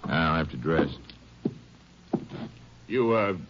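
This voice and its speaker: Very deep, grudging county attorney. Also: male voice, lively intonation, slow, full character voice. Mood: defensive, wary. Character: evasive, grudging small-town county attorney, male. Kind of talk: 1950s radio drama acting. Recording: noisy, muffled old radio recording.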